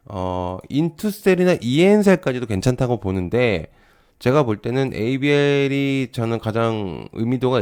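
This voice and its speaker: Lively conversational male stock commentator. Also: mid-range voice. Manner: conversational, frequent fillers and rhetorical checks. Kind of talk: casual market commentary.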